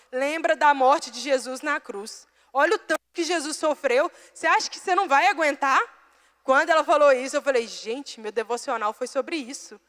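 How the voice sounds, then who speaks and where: A young woman preaching in a church, telling a personal story in a chatty way and addressing listeners directly before reading scripture. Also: high-pitched. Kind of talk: sermon with personal testimony. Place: church hall. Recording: long hall reverb.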